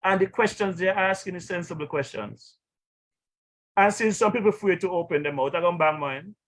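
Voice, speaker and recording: A man's voice: high voice, a little fast, fairly bright tone. A man with a Caribbean accent giving indignant, emphatic political commentary as the host of a live stream. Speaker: talk show host.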